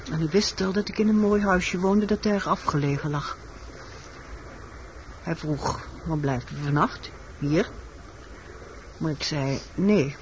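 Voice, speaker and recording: A woman's voice: lowish voice, a little mellow. Muffled recording, weary, secretive woman. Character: weary, secretive woman confessing a wartime killing. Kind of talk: radio drama acting. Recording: muffled, noisy old radio recording.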